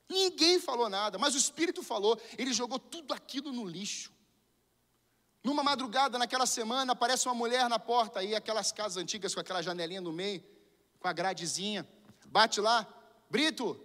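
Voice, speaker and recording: Brazilian male pastor, high-pitched and bright, preaching in a reverberant church hall, swinging from hushed to fervent. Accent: Brazilian Portuguese. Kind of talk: sermon.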